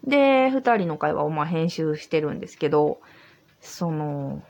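A tipsy woman with a Kansai accent rambles cheerfully through her solo podcast. Her voice has a gravelly edge, and her pitch swoops up and down as she talks. She speaks casually from a room in an old house. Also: animated, moderate pace, a little mellow. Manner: chatty, rambling, easygoing. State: tipsy from drinking. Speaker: podcast host.

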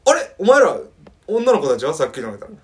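A young man with a Kansai accent, a comedian telling a story in casual chat, acting out the people in it with big jumps in his voice. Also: quick pace. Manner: animated, acts out quoted voices with big pitch jumps. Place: podcast recording with friends.

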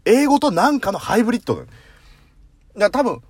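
A man in a casual solo talk monologue, speaking in a fairly high voice that swoops wildly up and down. His delivery is rough and slangy, full of self-mockery, and he jumps into acted-out voices. The sound is close and dry, with no room echo. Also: very animated, fast talker, darkish tone. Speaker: podcast host.

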